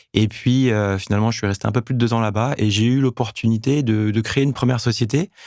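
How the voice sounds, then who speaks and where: In a very clean recording with a silent background, the speaker races along at a very fast pace with hardly any pauses, very even loudness and fairly even intonation. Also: man, medium pitch for a man. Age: 40s. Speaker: accountant and entrepreneur. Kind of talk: podcast interview.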